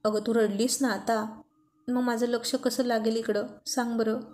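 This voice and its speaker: A woman's voice: fairly high pitch, level tone, normal speed, darkish tone, close to an everyday voice. A woman voicing a teasing, affectionate husband who soothes his wife, in a storybook reading.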